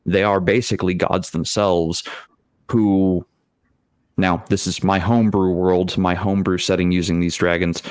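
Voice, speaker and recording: A man in a casual tabletop gaming discussion, speaking as a game master and explaining things in a halting, rambling way with repeated phrases. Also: deep voice, no room sound.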